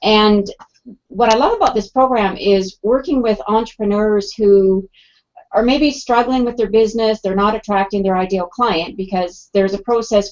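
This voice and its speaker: An ordinary speaking voice at a moderate pace, in a Canadian accent. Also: woman. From western Canada. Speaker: business coach. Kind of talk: casual panel discussion. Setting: video call.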